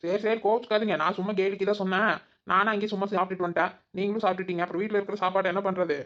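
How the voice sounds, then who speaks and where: Woman voicing a teasing village woman for a cartoon, quick, lo-fi. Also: mid-range voice, little pitch movement, a bit bright. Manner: teasing, joking banter. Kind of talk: cartoon voice acting.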